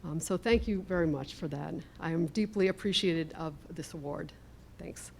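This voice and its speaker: A woman speaking as an author at a live event, with measured, gracious and careful phrasing. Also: creaky. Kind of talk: live public talk, thoughtful conversation. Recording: noisy live event with rumble.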